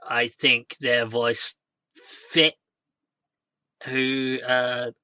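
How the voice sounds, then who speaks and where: Bright, dry-sounding man, halting. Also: mid-range voice, level tone, no echo. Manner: halting, with many fillers and restarts. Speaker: podcast co-host. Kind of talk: casual podcast chat.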